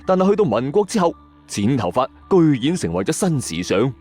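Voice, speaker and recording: A storytelling podcast host with a Hong Kong Cantonese accent narrates a scripted tale in a dramatic, suspenseful, conversational way. His medium-pitched, darkish voice is very animated and fairly quick, with background music running under it.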